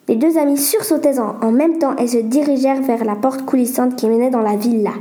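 A woman's voice: high-pitched, dark tone, echoey room. A woman reading a children's story aloud in a plain, earnest way, with small stumbles. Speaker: reader.

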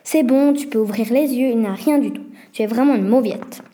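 Bold cheeky schoolgirl, excited and mocking, read by a woman; high, mellow tone. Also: a little fast, natural voice. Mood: bossy. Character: bold adventurous schoolgirl, teasing and fearless.

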